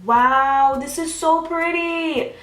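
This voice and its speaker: A woman's voice: high-pitched, slow, fairly bright tone, echoey room, far from the mic, poor audio. A young woman chatting bubbly and gushing through a makeup tutorial at home, talking straight to her viewers. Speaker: beauty vlogger. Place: home, filming herself.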